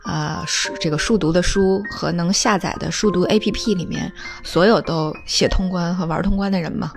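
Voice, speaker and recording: A woman telling family anecdotes in a casual, humorous way, with many drawn-out filler particles between phrases. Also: fairly low pitch, steady tone, creaky, over music. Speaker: storyteller recounting family anecdotes. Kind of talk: casual spoken storytelling.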